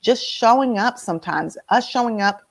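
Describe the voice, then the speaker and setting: A woman's voice: on the high side, normal speed, gravelly. A woman host with a slightly nasal voice, leading a casual motivational talk and asking her listeners many questions.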